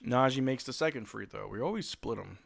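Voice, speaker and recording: Hosting a live watch-along stream, a man gives play-by-play commentary and joking reactions to his chat like an excitable fan. His voice is medium-pitched and creaky, and he talks a little fast.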